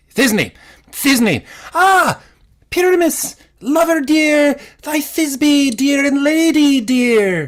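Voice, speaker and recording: A man's squeaky put-on character voice, extremely high in pitch and very slow. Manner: theatrical, lamenting.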